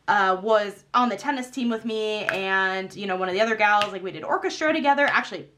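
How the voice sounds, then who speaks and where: A young woman vlogger chatting casually while crafting, rambling with many fillers and frequent laughs, her voice slightly hoarse. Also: on the high side, bright, forceful tone, slight background noise.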